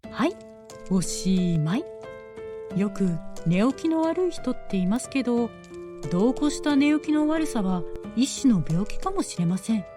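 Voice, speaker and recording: A woman telling a scripted bedtime story in a gentle, even storytelling manner. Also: fairly high pitch, a little slow, music in the background.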